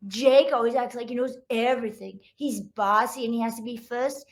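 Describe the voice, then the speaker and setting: A woman's voice: fairly high pitch, fairly even intonation, moderate pace, natural voice. A woman voicing an indignant, childish little female dog, the youngest sibling in a children's storybook read-aloud. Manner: childish, pouty.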